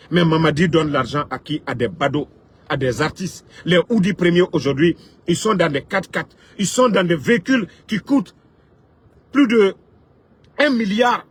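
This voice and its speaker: Man, fiery political commentary, husky, fairly high voice, loud bursts then quiet asides. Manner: emphatic, swings between loud outbursts and low asides. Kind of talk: impassioned political rant.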